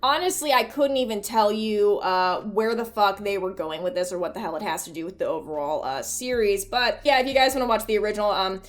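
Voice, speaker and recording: A woman's voice: medium pitch, brisk, hardly any pauses. Irreverent, conversational woman commentator. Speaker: host of a horror commentary video. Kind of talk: casual, profane video commentary.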